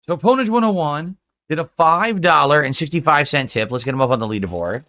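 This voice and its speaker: A man's voice: fairly high pitch, animated, brisk, pushed and bright. A man in his forties ranting on a livestream, aggrieved and defensive, repeating himself as he reads out a tip. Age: 40s. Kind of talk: livestream rant.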